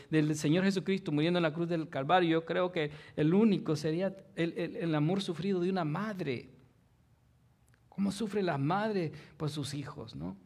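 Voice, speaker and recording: A pastor preaches with a high, creaky voice, posing rhetorical questions to the congregation and tacking "¿verdad?" onto his lines. He shifts between loud emphasis and soft, nearly whispered passages.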